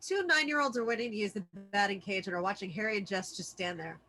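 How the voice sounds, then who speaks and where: A woman's voice: mid-range voice, fast talker, bright, forceful tone, soft background music. A woman reading scripted stage directions as narrator for a table read.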